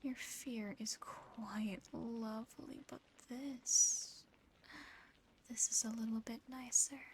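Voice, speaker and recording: Woman playing possessive, tender female demon for ASMR roleplay: very slow, close intimate whisper, soothing and gently teasing, background noise. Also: a little high, rough recording. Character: affectionate, possessive female sleep paralysis demon.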